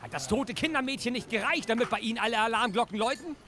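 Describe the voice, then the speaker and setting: An actor playing a furious father who demands to know where his missing daughter is and shouts abuse at the police. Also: very high voice, fast, crowd noise. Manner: shouting, accusing. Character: enraged desperate father, middle-aged man.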